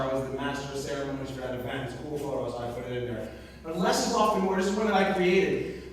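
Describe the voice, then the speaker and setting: A man giving an energetic live presentation to an audience, telling stories with lots of asides. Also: high voice. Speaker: motivational speaker. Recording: echoey hall, mic at a distance.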